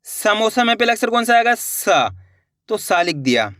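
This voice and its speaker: Guy with a high bright voice teaching reading, sounds out each syllable slow, dry close sound. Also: very animated, no room sound. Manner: sounds out syllables, repeats words, asks and answers own questions. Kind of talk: slow step-by-step lesson.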